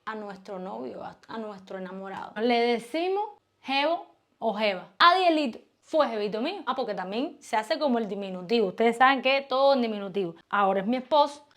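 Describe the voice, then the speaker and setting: Cuban woman vlogger, high-pitched, teasing and quick. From Cuba. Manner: playful, fast, teasing, lively. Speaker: YouTuber. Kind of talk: casual vlog to camera. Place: at home.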